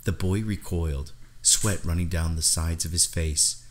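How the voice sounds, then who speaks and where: A man narrating gothic fiction as an audiobook reader, in a measured, dramatic delivery. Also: sits low, steady tone.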